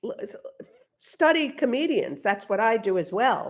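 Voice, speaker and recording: Lively intonation runs through a woman's speech, delivered at a moderate pace. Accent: New York. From New York. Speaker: writing coach. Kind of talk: tutorial.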